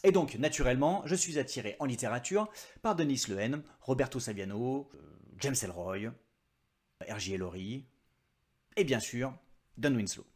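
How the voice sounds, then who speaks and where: A man's voice: medium pitch, lively intonation, moderate pace, pauses often. Chatty French book vlogger, man. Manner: chatty, self-mocking asides. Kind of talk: casual book review vlog.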